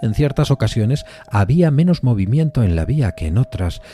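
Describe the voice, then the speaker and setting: An actor playing a courteous, uneasy gentleman who recounts an eerie encounter in formal, deliberate suspense narration. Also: mid-range voice, very animated, soft background music, lightly acted. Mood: measured suspense. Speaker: narrator of an audio drama. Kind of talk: dramatized first-person suspense story narration.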